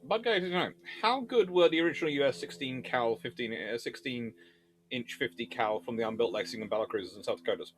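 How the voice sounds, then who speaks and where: A man's voice: mid-range voice, lively intonation, fairly quick, a bit bright, a little hiss or hum. A man hosting an informal history Q&A, talking in a discursive, emphatic way as he reasons through debates. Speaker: naval history video host. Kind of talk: informal explainer and viewer Q&A.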